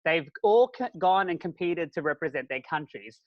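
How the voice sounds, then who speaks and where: A man's voice: on the high side, animated, moderate pace, no room sound, dull audio. A man co-hosting a podcast in casual chat, upbeat and enthusiastic. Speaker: podcast co-host.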